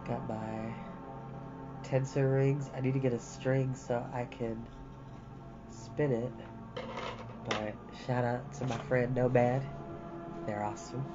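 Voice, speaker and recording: The host of a storytime livestream, medium-pitched, reads a novel aloud from a storybook while chatting casually and wandering into rambling asides. The audio is dull and lo-fi, with ambient music playing behind.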